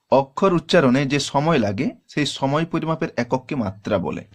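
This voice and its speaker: A man with a Bengali accent teaching a grammar lesson, patiently repeating definitions and sounding out syllables one by one. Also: on the high side. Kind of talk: explanatory lesson.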